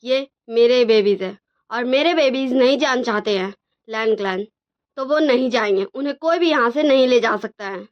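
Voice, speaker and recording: A woman voicing a calm, protective young father who speaks in a firm, steady way. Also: on the high side, moderate pace, natural voice. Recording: dull lo-fi recording.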